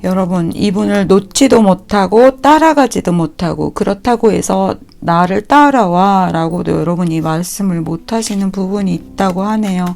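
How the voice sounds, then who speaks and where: A woman giving a tarot reading to viewers in a gentle, reassuring way, sometimes acting out what the people in the cards might say. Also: medium pitch, normal speed, gravelly, few pauses. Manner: gentle, reassuring, acts out quoted lines. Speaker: tarot reader.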